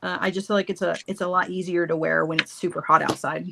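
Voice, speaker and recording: A woman's voice: lowish voice, flat delivery, fast, vocal fry, background noise. A woman guest on a jewelry show, explaining her steps while she works in a friendly, casual way. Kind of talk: casual demo chat. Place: southern United States.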